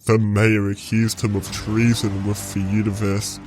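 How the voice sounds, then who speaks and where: A man playing a vengeful clone villain in an audio roleplay, telling his story in a deliberate, gloating, theatrical way. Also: lowish voice, level tone, darkish tone, lightly acted. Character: vengeful male clone villain plotting to destroy a reality. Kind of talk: scripted audio roleplay monologue. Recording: music behind the voice.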